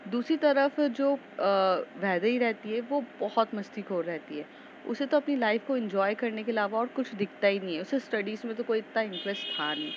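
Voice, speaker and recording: A woman's voice: mid-range voice, expressive, moderate pace. A young woman telling a love story in casual, conversational narration, with frequent fillers and restarts. The recording is slightly dull, with faint traffic noise behind.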